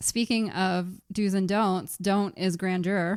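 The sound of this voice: A woman talks in a South Texas accent. Her intonation is monotone and flat. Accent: Southern Texas.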